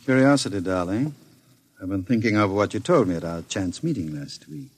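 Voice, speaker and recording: A suave, menacing gangster. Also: male voice, low-pitched, animated. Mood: mocking. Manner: smooth, sardonic, unhurried threats. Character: suave menacing male gangster, calm and mocking. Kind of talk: 1950s radio drama acting. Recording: noisy old radio broadcast.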